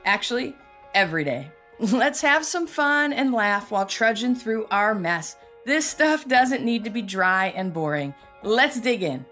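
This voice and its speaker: A woman's voice: mid-range voice, big pitch swings, a little slow, a bit bright. A woman opening her faith podcast with a scripted, earnest and encouraging intro. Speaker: podcast host. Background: intro music.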